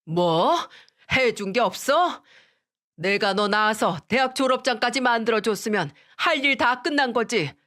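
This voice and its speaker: Enraged old father-in-law played by a woman narrator, raised and shouting; radio story. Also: fairly high pitch, animated, unhurried, pitched above the performer's own voice. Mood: furious. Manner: shouting, furious. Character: furious hot-tempered older father-in-law.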